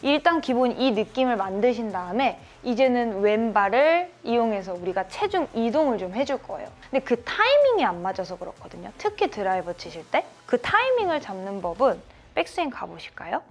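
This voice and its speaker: A woman's voice: on the high side, sing-song, a little fast. A woman golf instructor coaching a student through swings, encouraging them and calling out sound cues like "bang" on each hit. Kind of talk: hands-on golf lesson coaching.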